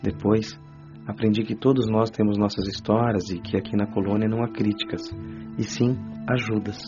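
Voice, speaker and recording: A remorseful young male spirit, played by a man tells his story earnestly in a lowish voice. The sound is dull and lo-fi. Clear music runs behind him. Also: fairly even intonation, moderate pace, lightly acted. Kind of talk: radio drama acting.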